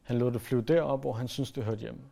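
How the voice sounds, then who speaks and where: A man preaching a sermon in an earnest way, pressing his points hard and then letting his voice fall soft. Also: mid-range voice, steady tone, gravelly. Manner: earnest, rises to emphatic then drops to soft.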